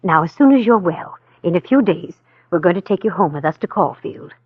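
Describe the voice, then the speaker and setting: An actress playing a gentle, wealthy older mother who talks in a soft, coaxing way, in a 1940s radio drama. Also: on the low side, expressive, fairly quick, slightly rough, no room sound. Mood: tender. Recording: tinny narrow-band 1940s radio recording.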